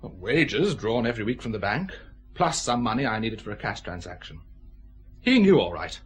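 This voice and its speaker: An affable whisky firm boss. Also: male voice, lowish voice, big pitch swings, moderate pace, slightly rough, heavily acted. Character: male whisky firm owner, affable businessman. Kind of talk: radio drama acting.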